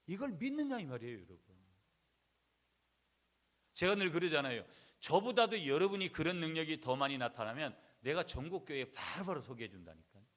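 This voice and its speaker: A middle-aged man from South Korea preaching a sermon as pastor, blunt and emphatic, with rhetorical questions and sudden loud bursts. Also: medium pitch. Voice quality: blunt, rough-edged seaside manner of speech.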